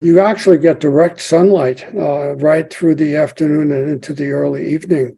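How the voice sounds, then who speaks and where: An older man hosts the interview in a dark, gravelly voice with a husky edge. He asks halting questions that trail off. His voice sits somewhat high for a man. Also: fairly even intonation. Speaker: podcast host, newspaper founder.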